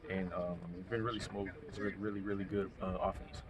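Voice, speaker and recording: A young man, a college quarterback, answering reporters outdoors in a soft-spoken way with many ums. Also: sits low, flat delivery, quick pace, a crowd in the background. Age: young adult. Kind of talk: outdoor media interview. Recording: loud background noise outdoors.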